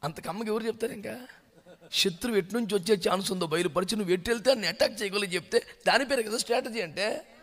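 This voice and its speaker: A man preaching a sermon, animated, asking rhetorical questions and dropping English words into his talk. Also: high voice, quick pace. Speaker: pastor.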